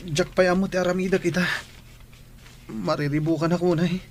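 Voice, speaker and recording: Man acting orphaned schoolboy, high-pitched, plaintive, discouraged, emotional, radio-style drama. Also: steady tone, brisk, slight background noise. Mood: dejected.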